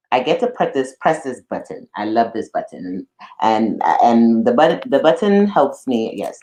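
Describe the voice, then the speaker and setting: With a Caribbean accent and a dark, mellow tone, this voice moves at a moderate pace through very wide pitch swings. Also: woman, very deep, low pitch for a woman. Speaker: podcast host. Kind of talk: informal. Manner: casual, chatty.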